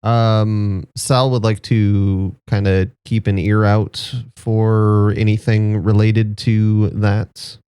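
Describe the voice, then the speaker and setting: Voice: mid-range voice, level tone, slow, hardly any pauses, mellow, clear, resonant tone, no room sound, clean studio sound. A player in a tabletop game, describing actions hesitantly and thoughtfully.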